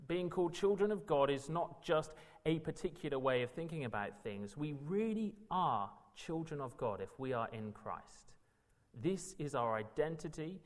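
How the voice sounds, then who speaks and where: A man from Wales, teaching a Bible session in an earnest, emphatic way that builds in bursts. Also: medium pitch. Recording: reverberant hall.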